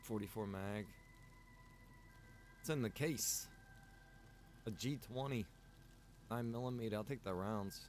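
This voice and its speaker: A man's voice: on the low side, unhurried, pauses often. A man giving casual, chatty commentary while he plays a game, thinking aloud in a laid-back way. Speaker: game streamer. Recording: clear background noise.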